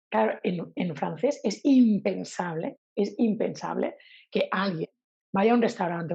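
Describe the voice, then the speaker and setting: In a relaxed interview, a Spanish teacher from Spain talks with animation, performing her examples in a sing-song manner. Her mid-range voice is husky and darkish with vocal fry, and the audio sounds muffled.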